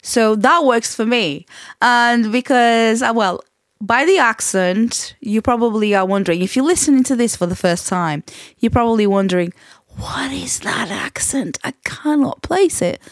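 A woman's voice: on the high side, expressive, moderate pace, no echo. A woman from Portugal with a Portuguese accent and a slight Yorkshire twang, hosting a casual solo podcast in a chatty, rambling way with many fillers and restarts. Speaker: podcast host.

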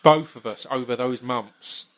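A man's voice: mid-range voice, measured pace, fairly bright tone, poor audio. A man with an Essex accent chatting casually as a podcast host, often repeating words as he gets his thoughts out. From Essex, England. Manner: stammering repetition of words as he talks.

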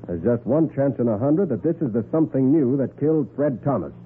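Man playing shrewd detective, lively intonation. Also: medium pitch, brisk, close to an everyday voice. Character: male master detective, shrewd and concerned. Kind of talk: 1940s radio crime drama acting. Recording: noisy, narrow-band 1940s radio recording.

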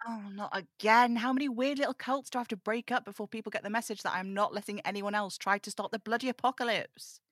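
A woman's voice: a little high, steady tone, fast talker, few pauses, fairly bright tone, no room sound, studio quality. A woman playing a snarky, weary supernatural radio host in an audio drama, wry and brooding in manner. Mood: exasperated, sardonic. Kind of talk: audio drama table read.

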